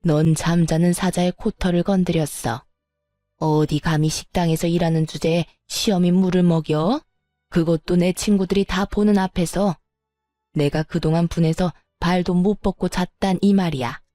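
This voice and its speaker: A woman's voice: fairly low pitch, fairly even intonation, moderate pace, warm tone, dry recording, studio quality, soft background music, lightly acted. A woman voicing a spiteful, scheming older mother-in-law who gloats and plays the victim in a storybook reading. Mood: gloating. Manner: gloating, then fake wailing.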